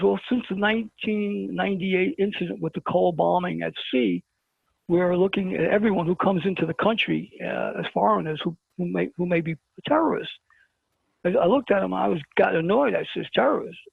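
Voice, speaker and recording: A man's voice: high-pitched, dry recording. A man with a Brooklyn accent, a talk show guest telling a personal story and acting out the dialogue. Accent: New York (Brooklyn). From Brooklyn, New York. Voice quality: gravelly, husky voice. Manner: animated storyteller who acts out dialogue. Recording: tinny phone-line call-in.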